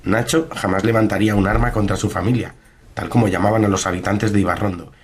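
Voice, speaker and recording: A man's voice: lowish voice, steady tone, fast talker, slightly rough. A man playing a chronicler who tells a post-apocalyptic saga in formal, scripted radio drama narration. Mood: solemn recounting.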